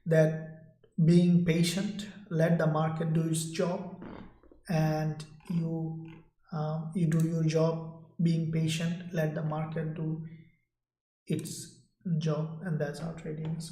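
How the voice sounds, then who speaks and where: A man from Sydney, Australia, hosting a live trading stream, talking loosely and repetitively to his viewers and reading their chat out loud. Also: a little high, completely flat delivery, slow, long pauses, reverberant, rough recording.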